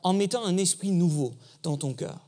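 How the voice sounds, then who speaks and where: A man's voice: sits high, normal speed, warm tone. A man giving a sermon as guest preacher in a church, talking conversationally and engaging the congregation.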